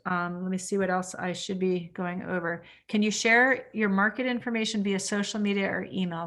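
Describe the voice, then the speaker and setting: Woman running an online class, talky and candid, lots of "like", mid pitch. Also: fairly bright tone. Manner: chatty, candid, full of "like" and acted-out quotes. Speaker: real estate coach leading a training session. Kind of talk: motivational online class talk. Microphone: video call.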